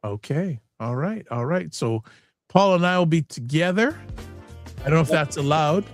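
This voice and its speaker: A man hosting a live-streamed talk show with a fairly high voice for a man. He talks in an animated, jokey way, stopping and restarting his sentences. Faint music plays underneath. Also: normal speed, no room sound, clean studio sound. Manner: animated, self-interrupting, jokey. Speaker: host. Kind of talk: casual live-stream chat and sign-off.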